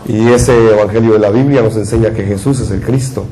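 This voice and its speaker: A man's voice: fairly low pitch, fairly even intonation, brisk, mellow, rough recording. Man preaching a fervent sermon. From Guatemala. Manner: repetitive fervent prayer cadence. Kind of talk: sermon with prayer.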